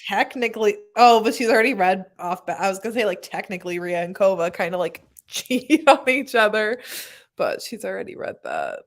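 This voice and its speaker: A woman's voice: mid-range voice, big pitch swings, brisk. A woman co-hosting a book live show in an informal, casual chatting style with a self-deprecating manner. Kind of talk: casual chat.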